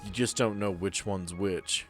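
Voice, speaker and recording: A man's voice: low-pitched, steady tone, a little slow, a bit bright, faint music behind. A man narrating a tabletop role-playing game as game master in an improvised, conversational way. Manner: casual, conversational.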